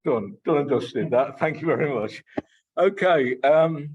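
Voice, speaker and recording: A man with a Black Country accent giving an informal lecture to a local society, halting and full of fillers and repeated words. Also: fairly high pitch, expressive, husky, muffled recording. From Black Country, England. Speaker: guest lecturer.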